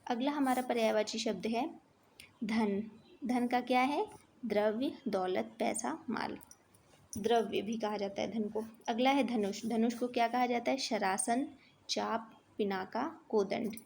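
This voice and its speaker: A woman teaching an exam vocabulary lesson, reciting lists of words and repeating each list more softly. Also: fairly high pitch, a little slow, vocal fry, slight background noise.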